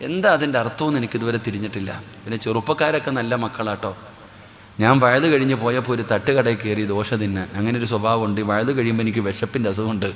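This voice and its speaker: A man preaching a sermon. He presses the crowd with repeated questions and calls for answers, and swings between loud exclamations and quiet asides. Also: mid-range voice, fairly even intonation, fast talker, slight background noise. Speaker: Islamic preacher. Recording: reverberant public hall.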